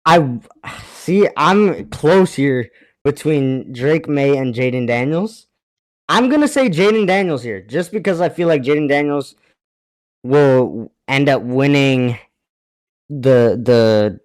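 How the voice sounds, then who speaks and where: A man co-hosting a casual sports chat over a remote call, hesitant as he thinks aloud. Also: mid-range voice. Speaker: podcast co-host.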